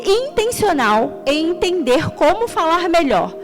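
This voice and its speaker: Young carioca woman preaching, high voice, chatty and animated, soft music behind. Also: measured pace. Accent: Carioca Portuguese. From Rio de Janeiro, Brazil. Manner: extroverted, animated storytelling with laughter. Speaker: deaconess preaching. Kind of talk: sermon.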